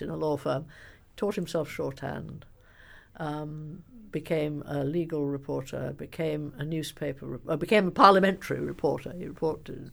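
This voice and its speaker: An older woman, an author answering questions in a relaxed interview, telling stories with emphatic energy and frequent ums. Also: low-pitched, gravelly. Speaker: biographer and author being interviewed. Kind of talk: conversational interview.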